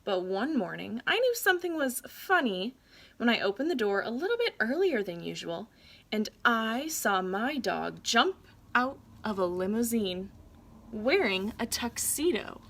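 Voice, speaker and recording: A woman reads a children's storybook aloud in a very bright, slightly high voice. She works as a teacher would, shaping each phrase with care and a sense of drama for young listeners. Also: big pitch swings, measured pace, creaky. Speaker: teacher reading aloud to pupils.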